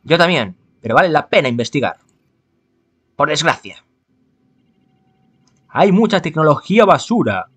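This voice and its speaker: A male game player with a fairly high, very lively voice. He moves between narrating a visual novel and making casual, wry asides. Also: normal speed, pauses often, slightly rough. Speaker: gaming streamer. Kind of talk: reading a visual novel aloud with casual commentary.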